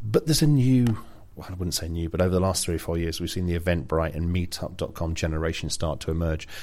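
In a room with audible echo, a man speaks very fast in a very deep, low pitch with a dark, mellow tone and ordinary pitch variation. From Switzerland. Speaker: podcast host. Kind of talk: interview. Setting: conference expo floor.

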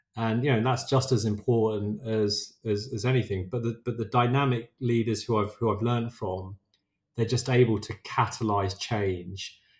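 A man's somewhat breathy voice at a medium pitch, moderate in pace with fairly even intonation, on a very clean recording with a silent background. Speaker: agency CEO and co-founder. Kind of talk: interview. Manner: halting, with frequent repetitions.

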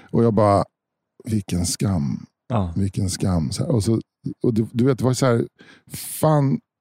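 Dry and close with no echo, a man's fairly low voice has a dark, mellow tone, lively intonation and very even loudness. He speaks at a fairly slow pace, with long, frequent pauses. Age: 50s. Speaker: comedian and podcast co-host. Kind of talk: casual chat.

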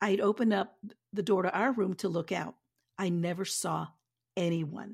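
A woman speaks at a medium pitch with vocal fry and a warm, animated tone. The recording is very clean, with a silent background. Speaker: podcaster and life coach. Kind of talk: ghost story telling, told as a personal anecdote. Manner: warm, conversational, animated.

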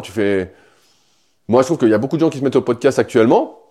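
A man talks at a medium pitch with a dark, mellow tone. His intonation is lively. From Paris, France. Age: 30s. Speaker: bodybuilding coach and entrepreneur. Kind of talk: casual interview chat.

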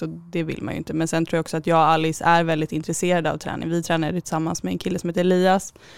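Recorded very cleanly against a silent background, a woman speaks in a fairly low pitch with monotone, flat intonation. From Sweden, Stockholm. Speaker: handball referee, student teacher. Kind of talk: casual chat.

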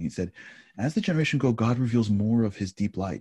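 A man talks at a fairly quick pace in a dark, mellow tone that is somewhat breathy. His pitch varies in an ordinary way against a quiet background. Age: 40s. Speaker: motivational speaker. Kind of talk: casual interview conversation. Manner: animated, expressive; energetic, passionate.

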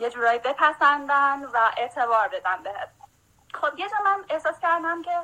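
The speaker is a woman with a high pitch. Her intonation is lively. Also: moderate pace. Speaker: costume designer and fashion blogger. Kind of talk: interview. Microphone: voice too quiet.

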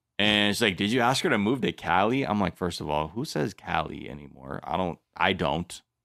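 On a very clean recording with a silent background, a man with a very deep, low pitch speaks at a moderate pace with hardly any pauses, lively intonation, and an animated, bright, sharp tone. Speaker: podcast co-host recapping reality TV. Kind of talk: casual comedic chat. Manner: animated, joking.

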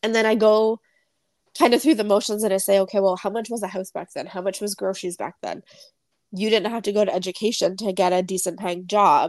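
A woman speaks very fast at a medium pitch. Her intonation is fairly even. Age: 20s. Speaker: podcast host and social worker. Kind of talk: interview.

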